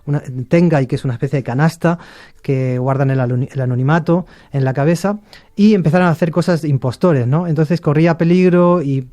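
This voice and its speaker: A middle-aged man from Argentina answers interview questions in an unhurried, hesitant way, full of fillers and restarts. His voice is mellow and soft-edged, recorded dry and close with no room around it. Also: on the high side, no echo. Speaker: interview guest, shakuhachi musician. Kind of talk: relaxed conversational interview.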